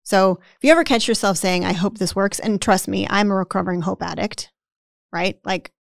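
A podcast co-host, she talks fairly quickly in a creaky, medium-pitched voice, captured dry and at studio quality. Her chatty, casual style leans on "right?" at the ends of sentences, and she voices the inner monologue of the people she talks about.

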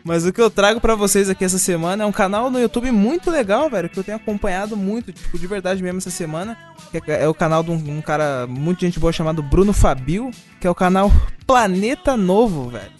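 A man's voice: sits high, animated, fast talker, soft background music. A young man with a Brazilian accent chatting casually and slangily as a podcast co-host. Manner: slangy, informal.

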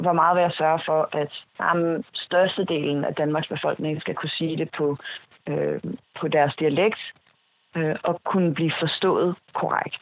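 Gravelly man on a tinny line. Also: fairly high pitch, dry recording. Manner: hesitant, many fillers and restarts. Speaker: interviewee, speech technology expert. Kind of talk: explanatory interview answers.

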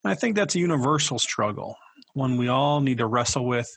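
A man who is a pastor, hosting a podcast in a measured, earnest way. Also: mid-range voice, expressive, gravelly, fairly bright tone, dry recording.

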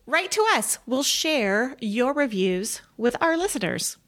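Animated, chatty woman podcast co-host. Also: a little high, unhurried. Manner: chatty and expressive, with frequent questions. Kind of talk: casual chat.

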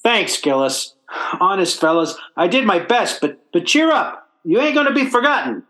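A man's voice: high voice, big pitch swings, normal speed, pushed and bright, heavily acted. A man playing an earnest, flustered working-class guy who stammers through ungrammatical talk in an old-time radio sitcom. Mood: flustered, pleading.

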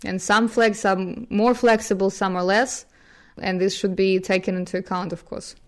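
A woman whose first languages are Ukrainian and Russian answers interview questions. She talks in a smooth, clear voice at a middle pitch. She pauses often with fillers and laughs softly. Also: level tone. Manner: thoughtful, hesitant, with frequent fillers and soft laughs. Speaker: guest.

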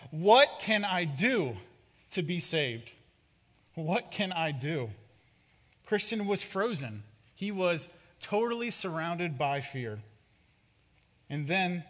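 A man preaching a sermon as a pastor, telling a story and acting out its characters' lines. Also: on the high side. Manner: storytelling with acted-out quotes. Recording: long hall reverb.

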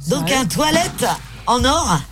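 Female radio presenter, casual banter, fairly high voice over a music bed. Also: sing-song, slow pace.

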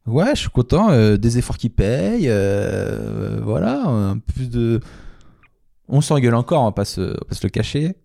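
Playful man with a dark, dry voice. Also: medium pitch, sing-song, normal speed, creaky, dry recording. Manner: playful, addresses the audience directly. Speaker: co-host of a couple's show. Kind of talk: casual chat.

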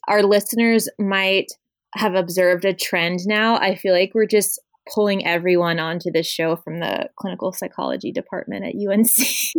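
A woman's voice: mid-range voice, fairly even intonation, no echo. Woman, radio talk show host, upbeat, chatty, dry close mic. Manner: upbeat, quick, laughing often. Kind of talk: casual radio chat.

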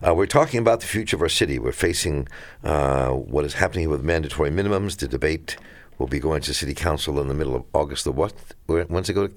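Smooth radio host: a man with a very deep voice and a quick, brisk pace, hosting a call-in show from the studio. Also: lively intonation.

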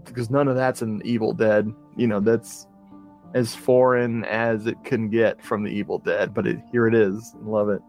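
A man's voice: on the low side, flat delivery, moderate pace, a little mellow. Guy on a podcast gushing about movies, keeps restarting, faint music in the back. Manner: rambling, enthusiastic, frequent restarts. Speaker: podcast co-host. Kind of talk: casual chat about horror movies.

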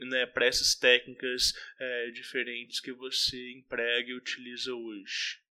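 Low-pitched woman host, bright crisp tone, chill interview. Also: completely flat delivery, a little slow. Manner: attentive, asks questions, many short affirmations. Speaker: podcast host. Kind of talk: casual interview.

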